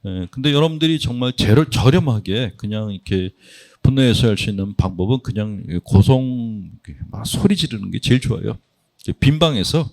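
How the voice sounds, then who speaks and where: A man's voice: medium pitch, a little mellow. A middle-aged man, a Catholic priest, giving a humorous spiritual talk full of anecdotes and jokes for an audience. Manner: joking, anecdotal storytelling to an audience.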